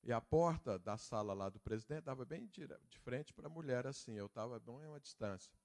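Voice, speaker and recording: A middle-aged man preaching a sermon, telling a personal story and acting out the dialogue before building to loud preaching. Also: mid-range voice, lively intonation, brisk. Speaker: pastor.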